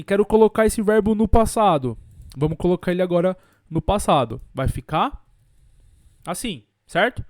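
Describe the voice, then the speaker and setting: A man from Brazil, an English teacher explaining pronunciation to camera in a lively way, repeating example words slowly and clearly. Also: high-pitched, no room sound, clean studio sound.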